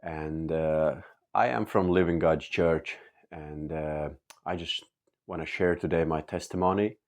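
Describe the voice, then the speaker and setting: Deep-voiced man giving testimony. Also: a little mellow. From Latvia. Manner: halting, with many uh and um pauses; earnest and open. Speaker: church member giving testimony. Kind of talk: personal testimony.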